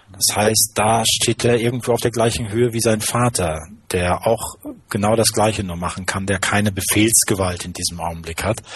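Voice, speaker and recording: A man with a fairly low pitch talks at a moderate pace, his voice somewhat breathy and his intonation fairly even. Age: 50s. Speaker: doctor running a father-son camp. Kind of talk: interview.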